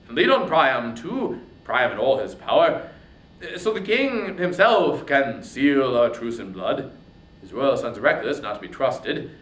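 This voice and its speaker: A man voicing a wronged warrior king, commanding, grave and bitter, in a loud, declamatory epic reading. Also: a little high, voice pushed up. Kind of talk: dramatic reading of ancient epic poetry. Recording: roomy echo, distant mic, faint noise.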